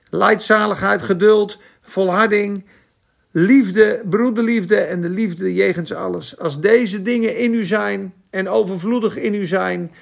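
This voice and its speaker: Guy preaching on a stream, high raspy-ish voice, gets all fired up then goes soft. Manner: fervent, shifts between loud exclamation and soft musing. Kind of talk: sermon with live questions. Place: church or home stream for Facebook.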